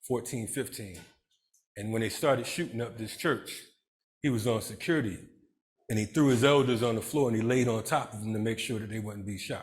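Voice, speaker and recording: A man at medium pitch, fairly quick pace with long, frequent pauses, and audible room echo. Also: ordinary pitch variation. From US Northeast, Bridgeport, Connecticut. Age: 50s. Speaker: activist and movement founder. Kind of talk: keynote speech. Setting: stage with audience. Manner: animated.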